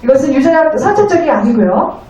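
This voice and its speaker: High-voiced woman interpreter in echoey room. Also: big pitch swings, dark tone, far from the mic. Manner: halting, polite formal phrasing. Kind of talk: consecutive interpreting of a lecture. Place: echoey indoor venue.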